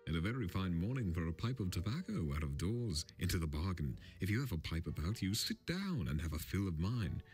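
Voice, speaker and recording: A man voicing a polite, fussy, excitable hobbit gentleman in a storybook reading, prim and chatty with eager exclamations. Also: low-pitched, fairly quick, hardly any pauses. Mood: cheerful. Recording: film score music underneath.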